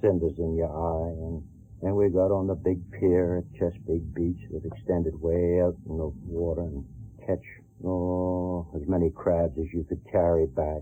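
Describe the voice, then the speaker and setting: A man's very deep, low voice with a Mid-Atlantic American accent, at a moderate pace over music in the background. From Washington, D.C. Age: 60s. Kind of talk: oral history reminiscence. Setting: home tape recording.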